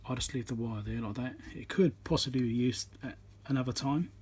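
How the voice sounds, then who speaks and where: A man giving casual hands-on commentary as he works, halting and half talking to himself while he concentrates, recorded on a phone at an indoor workbench. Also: medium pitch, a little mellow, slightly rough. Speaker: electronics repairer, channel host. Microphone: phone on a tripod above the work. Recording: noisy room recording on a phone.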